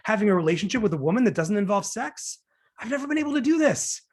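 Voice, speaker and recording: A man's voice: high-pitched, very animated, quick pace. A man playing a neurotic, wisecracking, talkative single man who gets defensive in a table read of a film comedy. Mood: earnest, defensive. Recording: remote video-call table read.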